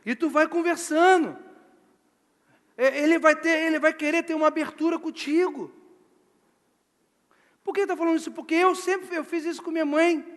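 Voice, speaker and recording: A man preaching a live church sermon in a lively, theatrical way, acting out little scenes. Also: extremely high pitch, normal speed, pauses often. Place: church service hall. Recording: long church hall reverb.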